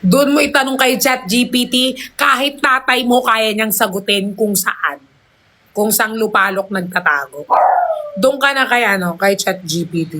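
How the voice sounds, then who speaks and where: A young woman streams live from her phone, gushing excited thanks for gifts and slipping English phrases into her chatter. Her voice is high and very bright, with a crisp edge. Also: unhurried, a little hiss or hum. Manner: mixes English into her talk. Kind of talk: casual livestream chat.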